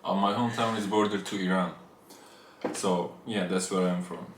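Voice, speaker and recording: Man in his twenties with a Turkish accent, teasing and halting co-host; echoey room. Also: sits low, steady tone. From eastern Turkey. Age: 20s. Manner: teasing, halting second-language English. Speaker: co-host, boyfriend. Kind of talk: casual couple Q&A chat. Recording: echoey room with faint noise.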